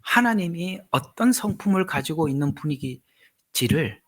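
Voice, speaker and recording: Husky-voiced male pastor, kinda high voice, preaching w big animated swings, acts out prayers. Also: unhurried. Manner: animated preaching, acting out prayers, rising to loud emphatic questions. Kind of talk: sermon.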